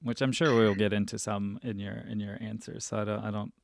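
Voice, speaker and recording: A man's voice: fairly low pitch, fairly even intonation, fairly quick, creaky, dry recording. A man hosting a podcast interview, chatty and enthusiastic, rambling with frequent restarts. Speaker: podcast host. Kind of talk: casual interview chat.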